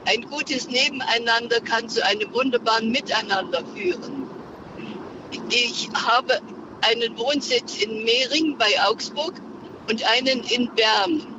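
An older woman calls a radio show from her car to tell a story by phone. Her voice is a little high and measured, earnest as she searches for words with many fillers and hesitations, and the phone line sounds muffled with car noise.

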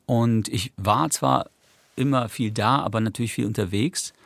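A man's voice: medium pitch, moderate pace, gravelly, fairly bright tone, no room sound. A man whose first language is English, a musician guest in a radio studio interview, talking reflectively and rambling with many tag questions.

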